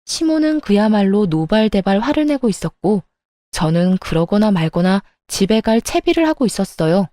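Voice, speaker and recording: A woman in her thirties narrating a first-person family story in a calm, matter-of-fact way. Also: medium pitch, no echo, studio quality.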